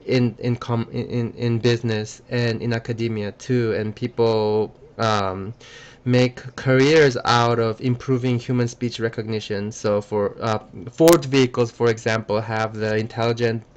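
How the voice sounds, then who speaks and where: A man giving a recorded lecture, halting and full of fillers and restarts. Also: medium pitch, fairly even intonation, a little hiss or hum.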